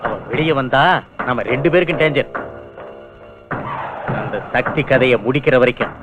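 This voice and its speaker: An actor playing a scheming, corrupt politician who lays out his plan calmly and flatteringly. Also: medium pitch, moderate pace, lo-fi sound, natural voice. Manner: plotting, calm and flattering. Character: scheming corrupt male politician, middle-aged. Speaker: corrupt minister. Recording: film soundtrack with clear music.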